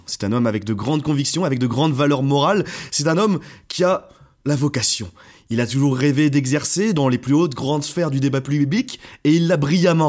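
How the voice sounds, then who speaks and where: A man's voice: mid-range voice, darkish tone. A young man co-hosting a casual podcast chat, playful and a bit long-winded, stumbling now and then over names. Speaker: podcast co-host.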